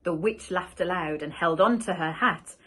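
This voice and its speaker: A woman teacher reading a rhyming picture book aloud, slow and expressive. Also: fairly low pitch.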